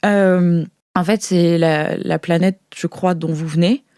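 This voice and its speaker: A naive young woman from a sci-fi future, acted by a woman in an audio role-play, speaks in a lowish, dry-recorded voice. She is eager and earnest, often puzzled, and explains her world hesitantly. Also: fairly even intonation, takes it slowly, dark tone, clean tone, no room sound. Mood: earnest explaining.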